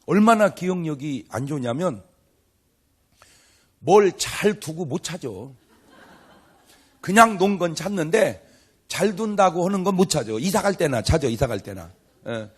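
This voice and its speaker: The older pastor's voice sits high and carries a breathy edge. Preaching a humorous revival sermon to a live congregation, he goes about it in a chatty, storytelling manner, playing out dialogue and asking the crowd questions as he banters with them.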